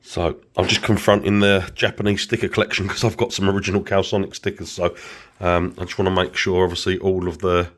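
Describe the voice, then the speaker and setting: A man with a flu-croaky voice, casually explaining his livery design work in a workshop vlog. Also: low-pitched, little pitch movement, a little fast. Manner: chatty, explains steps with many fillers. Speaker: vinyl livery maker.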